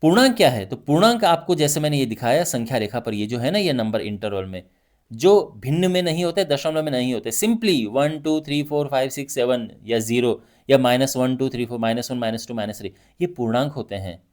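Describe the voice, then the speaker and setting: A male math teacher with a Hindi accent gives a lively classroom lesson, walking through each point and frequently checking in with his students. His voice is medium in pitch and fairly quick.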